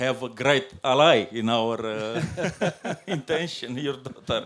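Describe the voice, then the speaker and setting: A man with a medium pitch talks very slowly, his pitch varying in an ordinary way. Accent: Romanian. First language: Romanian. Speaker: talk show host. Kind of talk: interview. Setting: talk show. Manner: halting.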